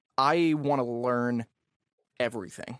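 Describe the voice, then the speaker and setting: In a dry, close recording with no echo and a very clean, silent background, a man with an American accent speaks at a fairly slow pace, medium pitch and ordinary pitch variation. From New Jersey, US. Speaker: vocalist and producer. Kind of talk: casual chat.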